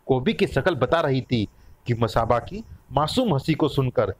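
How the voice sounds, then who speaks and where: A man narrating a children's story in an expressive, dramatic manner. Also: mid-range voice, a little slow.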